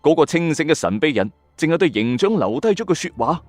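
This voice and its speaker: A man's voice: a little high, big pitch swings, fairly quick, no room sound, soft background music. A man with a Hong Kong Cantonese accent telling a scripted horror story in a dramatic, suspenseful, colloquial way.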